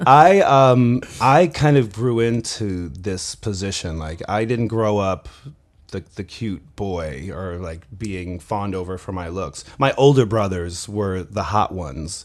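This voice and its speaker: Using an unremarkable speaking voice, a man with an American accent and fairly low pitch talks at a fairly slow pace, with lively intonation and big swings in loudness. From Minnesota (Saint Paul). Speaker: model, TV show pit crew member. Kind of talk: casual podcast chat.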